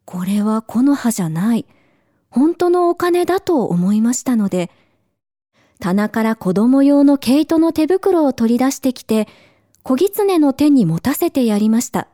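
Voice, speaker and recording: A woman narrating a children's storybook in a gentle, measured way. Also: sits high, very animated, no room sound, clean studio sound. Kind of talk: storybook reading.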